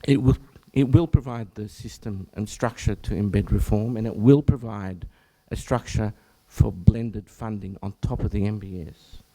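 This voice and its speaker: Hoarse Australian man giving a health talk. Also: on the low side, normal speed, few pauses, warm tone, low-quality recording. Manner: clears throat often, breaks off and restarts phrases. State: hoarse, croaky from much talking. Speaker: general practitioner presenting at an information session. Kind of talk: presentation to health professionals.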